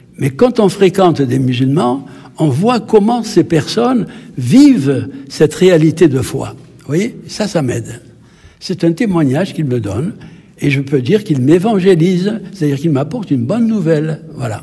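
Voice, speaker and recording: A man with a fairly high pitch, very wide pitch swings and a moderate pace. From Algeria. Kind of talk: radio interview.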